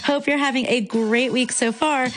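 A woman's voice: sits high, steady tone, moderate pace, fairly bright tone. A woman hosting a style interview show, upbeat, reading scripted intros and questions. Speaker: show host.

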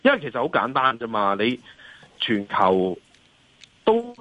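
A man's voice: mid-range voice, huge pitch swings, unhurried, pushed and bright, no echo. A man with a Hong Kong accent giving off-the-cuff market commentary as an interview guest, emphatic and often checking for agreement with rhetorical questions. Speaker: financial analyst and columnist, guest. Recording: dull lo-fi remote call line.

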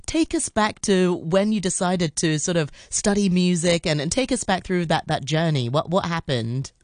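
A woman's voice: fairly low pitch, moderate pace, darkish tone, dry recording, clean studio sound. A woman hosting a radio interview, asking questions in a friendly, slightly rambling way. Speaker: radio host. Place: Hong Kong radio studio.

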